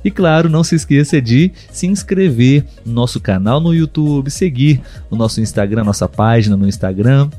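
A man from Brazil hosts a live podcast for people learning Portuguese. He speaks slowly and deliberately, often saying the same thing two ways. His voice is mellow and dark, and soft music plays faintly behind him. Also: mid-range voice, lively intonation. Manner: slow, deliberate, repeats and rephrases for learners. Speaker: podcast host.

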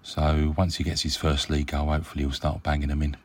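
A man's voice: rumbling low, fast talker. A man leaving a casual, rambling voice message as a caller to a fan show. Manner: relaxed, chatty, hesitant with many ums. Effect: recorded voice message.

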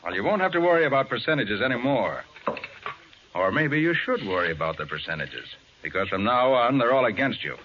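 An actor playing a cool, wry private detective with brisk self-assurance in 1940s radio style. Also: male voice, medium pitch, very animated, lightly acted. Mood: wry, commanding. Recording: noisy, dull 1940s radio recording.

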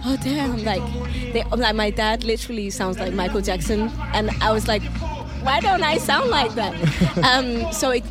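A young woman from Denmark, a singer-songwriter, chatting giggly and loose with lots of fillers in an interview. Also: fairly high pitch. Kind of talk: casual interview chat. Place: music festival, outdoors. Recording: live festival radio, loud music behind. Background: stage music playing.

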